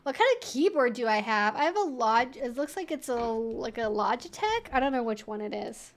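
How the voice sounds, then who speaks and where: Woman, high-pitched, livestream host, casual Q&A chat, rambling, informal asides. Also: lively intonation, moderate pace. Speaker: livestream host answering viewer questions.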